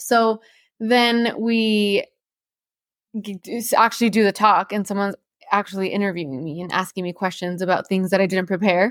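Her intonation is fairly even, and the woman speaks at a medium pitch. The recording is very clean, with a silent background. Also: moderate pace. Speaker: podcast host, entrepreneur. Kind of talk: solo podcast monologue. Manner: halting, frequent restarts.

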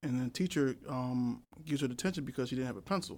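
A fairly high-pitched man talks at a fairly quick pace in an unremarkable speaking voice. The recording is very clean, with a silent background. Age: 30s. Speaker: podcast guest, host's longtime friend. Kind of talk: casual chat.

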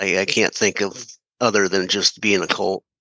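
In an American accent, a man speaks at a moderate pace with a fairly low pitch and a bright, sharp tone, the sound dry and close with no echo. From Iowa, US Midwest. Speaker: horse trainer. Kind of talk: casual chat.

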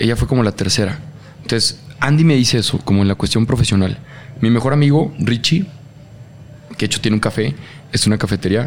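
Over noticeable background noise, a man talks at a very fast pace with lively intonation and very even loudness. His speech is broken by long, frequent pauses. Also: medium pitch for a man. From northern Mexico (Torreón). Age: 20s. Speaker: motivational speaker and content creator. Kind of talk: casual chat.

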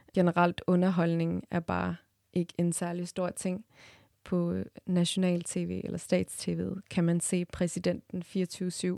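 A woman's fairly low, dark, mellow voice at a very slow pace, monotone and flat, dry and close with no echo, in a very clean recording with a silent background. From Turkmenistan, Ashgabat; in Denmark from age 9. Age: 20s. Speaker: student. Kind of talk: interview. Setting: studio.

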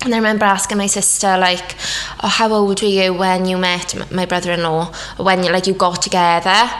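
A woman at a medium pitch and fairly quick pace, with audible room echo and noticeable background noise. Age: 30s. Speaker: podcast host. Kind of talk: casual solo podcast monologue. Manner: animated.

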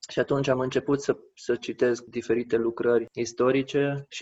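In a Hungarian accent, a man speaks with a fairly high pitch. His pace is fairly slow. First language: Hungarian (speaking Romanian). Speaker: playwright. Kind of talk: interview. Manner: halting.

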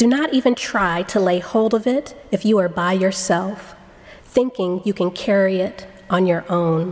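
Very even loudness from a woman at a fairly slow pace, with ordinary pitch variation and noticeable background noise. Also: medium pitch for a woman. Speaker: poetry reader. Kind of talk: poetry reading, solemn and devotional. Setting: church worship service. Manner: measured, slow and reverent.

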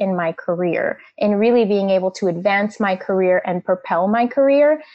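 A woman with an American accent has an ordinary speaking voice at a medium pitch, speaking at a moderate pace with ordinary pitch variation. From Brooklyn, New York. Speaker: career coach. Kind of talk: coaching conversation. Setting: at home.

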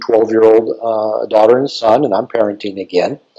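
In a Pacific Northwest accent, a man speaks with a dark, mellow tone at a medium pitch. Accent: General American (Pacific Northwest). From US Pacific Northwest, Seattle area. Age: 60s. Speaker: author and therapist. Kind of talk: interview. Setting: video call.

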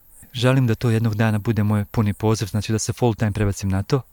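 On a very clean recording with a silent background and a dry, close sound with no echo, a man speaks at a medium pitch in a dark, mellow tone with fairly even intonation. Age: 40s. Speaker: podcast host. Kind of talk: personal monologue. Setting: outdoors on a meadow.

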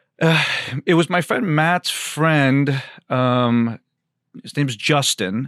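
A man's fairly high voice, ordinary pitch variation, very slow pace and long, frequent pauses. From Kuwait. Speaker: actor and interviewer. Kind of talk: casual chat.

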